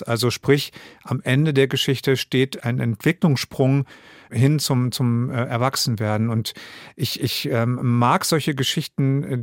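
A German man in his fifties, a radio drama director and author, answering interview questions thoughtfully with frequent pauses and restarts. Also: medium pitch, no room sound, clean studio sound. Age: 50s. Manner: thoughtful, many hesitations and restarts.

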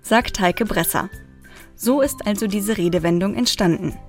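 Calm woman narrating over music. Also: medium pitch, normal speed. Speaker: narrator of a children's knowledge show. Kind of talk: scripted narration.

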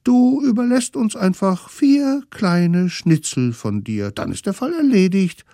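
A man voicing a group of excited, bossy little Stone Age children in a storybook reading. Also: a little slow, dry recording, studio quality, heavily acted. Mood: bossy, eager. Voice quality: squeaky, high and loud.

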